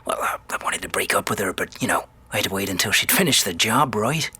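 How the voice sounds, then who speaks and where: Smug rich Hollywood male, bright forward voice, casual bragging, audio drama. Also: fairly low pitch, lively intonation, fast talker, slightly rough, dry recording, exaggerated voice. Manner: boastful, casual. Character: wealthy, arrogant, smug Hollywood ride-share passenger. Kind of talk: naturalistic audio drama dialogue.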